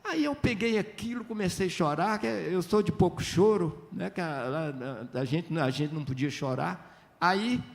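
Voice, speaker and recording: At a measured pace and in a creaky, high-sitting voice, an older man from Minas Gerais, Brazil, shares stories as a writer on a literary festival panel. He's lively and chatty, uses tag questions, and often plays out dialogue.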